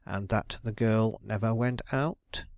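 A man reads the part of a shrewd detective, drawing out each question slowly, suavely and courteously, weighing every word like a storybook character. His lowish, creaky, slightly mellow voice stays in a middle range with fairly even intonation, recorded close and dry.

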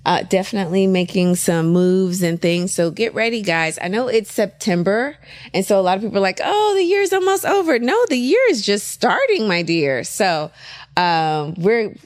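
A middle-aged woman with an American accent co-hosting a podcast, upbeat and quick with affirmations. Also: mid-range voice, very animated, no room sound, clean studio sound. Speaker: podcast co-host. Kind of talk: casual podcast chat.

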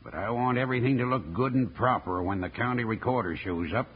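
An actor playing a smug, menacing American outlaw in a 1950s radio western, with a raspy voice. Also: male voice, medium pitch, fairly quick, a little hiss or hum, lightly acted. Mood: gloating threat. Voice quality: raspy, gravelly. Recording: muffled vintage radio recording.

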